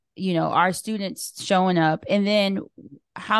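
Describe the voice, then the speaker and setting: In a very clean recording with a silent background, a woman speaks with an American accent and fairly even intonation. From Virginia, US South. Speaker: community college career education director. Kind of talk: interview.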